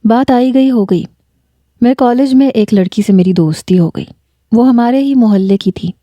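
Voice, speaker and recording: A woman telling a first-person story as a storybook narrator, in a steady, reflective reading style. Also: mid-range voice, no echo.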